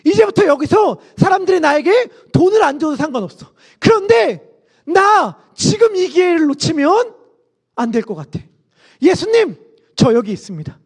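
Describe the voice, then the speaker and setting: A man voicing a desperate blind male beggar who shouts and pleads to be noticed. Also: very high voice, sing-song, normal speed, voice pushed up, full character voice. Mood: desperate pleading.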